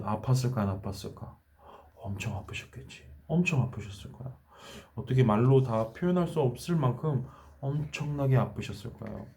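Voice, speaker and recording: A man's voice: medium pitch, mellow. A man preaching a children's sermon, telling the story and asking the children questions as he goes. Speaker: children's pastor.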